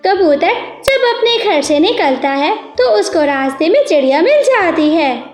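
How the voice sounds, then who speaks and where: A woman giving scripted storybook narration for a cartoon, telling it slowly. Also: very high-pitched, big pitch swings. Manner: slow, storytelling. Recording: echoey with background music.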